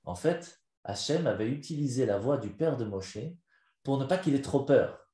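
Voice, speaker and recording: A man, a rabbi, giving a live lesson as a story, animated and quizzing his listeners. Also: mid-range voice, moderate pace. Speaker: rabbi teaching a class. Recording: echoey room.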